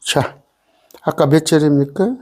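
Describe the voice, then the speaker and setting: A man's voice: on the high side, measured pace, mellow. A man preaching a sermon as pastor, emphatic and full of rhetorical questions and "eh?" asides.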